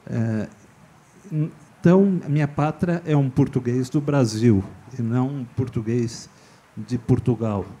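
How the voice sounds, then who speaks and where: A man's voice: medium pitch, unhurried, warm tone, husky. A man moderating a literary panel, asking questions in a playful, provocative way. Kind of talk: panel discussion.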